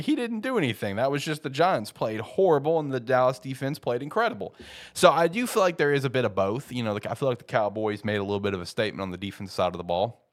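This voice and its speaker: Stuffed up from a head cold, a podcast host with a mid-range voice rambles through a casual sports talk show. He fills his talk with fillers and restarts, then breaks into emphatic peaks.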